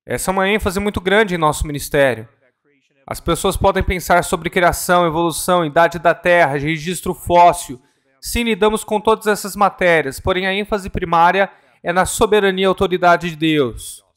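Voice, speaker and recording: Interpreting a ministry message for a church conference, this man sounds earnest and measured, sometimes catching and correcting himself mid-word. His voice is high-pitched and fairly bright.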